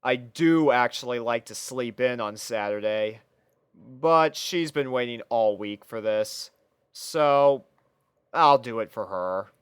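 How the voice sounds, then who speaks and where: A man narrates a first-person story from a script. His voice is smooth and clear at a middle pitch, recorded close and dry. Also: slow, no room sound.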